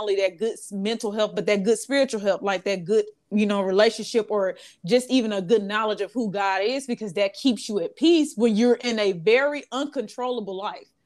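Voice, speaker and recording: A woman speaks at a fairly quick pace in an ordinary speaking voice, her fairly high pitch showing ordinary variation, on a very clean recording with a silent background. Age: 20s. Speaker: podcast host. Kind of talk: casual interview.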